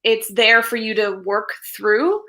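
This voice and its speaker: A woman's voice: on the high side, slow, pushed and bright. A woman in a casual spiritual chat, speaking hesitantly and searching for her words. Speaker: tarot student.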